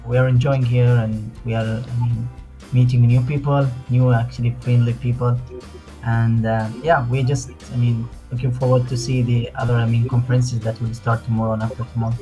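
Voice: medium pitch, little pitch movement, brisk, warm tone, faint music behind. An interviewee from Yemen chatting casually on a video call.

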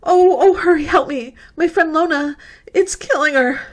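A woman playing a hysterical young college girl in a radio horror drama, gasping out halting, repeated pleas for help. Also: high voice, lightly acted. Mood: hysterical pleading. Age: young adult. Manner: frantic, gasping, halting and repetitive. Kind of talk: amateur radio horror acting. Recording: noisy home-recorded radio drama.

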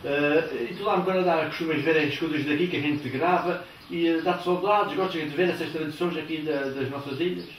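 An older man interviewing a couple in a living room, asking slow, hesitant, friendly questions into a handheld mic. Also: a little high. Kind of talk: casual TV interview. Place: living room of a house, indoors. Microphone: handheld microphone. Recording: roomy, distant, faint background noise.

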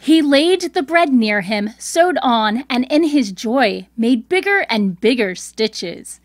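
High-voiced woman narrating a storybook. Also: lively intonation, slow, no echo, studio quality. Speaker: host and narrator.

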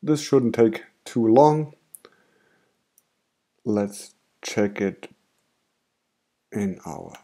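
A man with a German accent, a native German speaker, calmly explaining software steps in a screen-recorded tutorial. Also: medium pitch. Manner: calm step-by-step explaining. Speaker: tutorial host.

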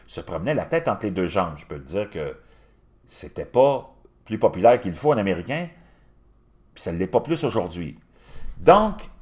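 A man in his fifties with a Québécois accent, telling a personal story in a casual, animated way and talking straight to the listener. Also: deep voice. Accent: Québécois French. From Quebec. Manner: animated, addresses the listener directly.

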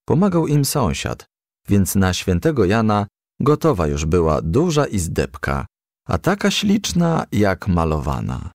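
A man's voice: low voice, wildly swooping pitch, measured pace, creaky, darkish tone, no echo, clean studio sound. A man reading a children's story aloud as scripted audiobook narration. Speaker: audiobook reader.

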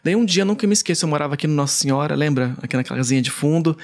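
Fast-talking man telling a story. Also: a little high. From Brazil. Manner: animated, frequent fillers and self-repeats. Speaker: podcast guest. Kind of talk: casual storytelling.

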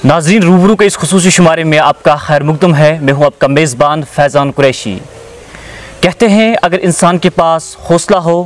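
A man presents an interview. His delivery is formal and declamatory, like a prepared introduction spoken outdoors. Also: a little high. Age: 20s. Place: outdoors on a lawn beside a wooden house.

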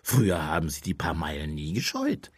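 An actor playing a genial, slyly inquisitive village priest in a radio play, courteous and gently probing. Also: male voice, a bass voice, huge pitch swings, moderate pace, breathy edge, no room sound, clean studio sound, heavily acted. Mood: slyly curious. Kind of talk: German radio play acting.

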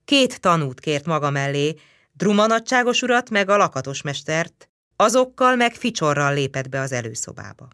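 A woman narrating a novel as an audiobook in measured storytelling. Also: sits low, sing-song, fairly bright tone, clean tone, no echo, studio quality. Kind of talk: scripted literary narration.

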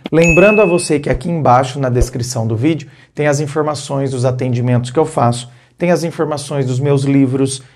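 A man's voice: mid-range voice, a little fast, hardly any pauses, darkish tone. A man with a Brazilian accent giving relationship advice in a casual vlog, talking directly to his viewers in a conversational way.

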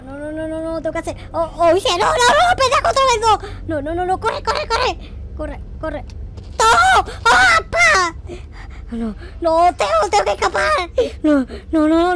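A man playing a naive, panicky noob game character in excited, repetitive roleplay commentary. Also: extremely high pitch. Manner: frantic, repetitive, exclamatory. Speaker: gaming video creator. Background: faint music.

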